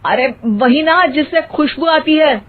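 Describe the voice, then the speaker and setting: A woman plays a bossy middle-aged mother-in-law in a cartoon, with a fairly high voice and slow delivery. She scolds and exclaims all the time. The audio is tinny, like a phone line. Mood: exasperated.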